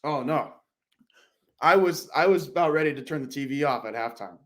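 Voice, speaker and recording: A man co-hosting a casual sports podcast, talking fast and rambling, and his voice jumps high when he retells big plays. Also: a bit bright. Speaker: podcast co-host.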